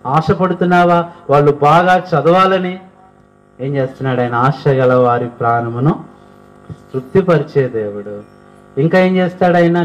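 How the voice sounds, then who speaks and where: A man preaching a sermon fervently, firing rhetorical questions at his listeners and building to emphatic peaks. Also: a little high. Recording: dull lo-fi recording.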